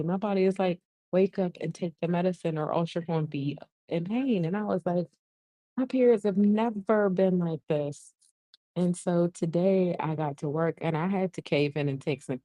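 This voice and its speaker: A woman in her forties, speaking, hosting a casual livestream. She talks softly to keep her voice down, reads viewer comments aloud and laughs often. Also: low voice, no echo. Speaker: livestream host. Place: shared co-working space. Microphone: earphones mic.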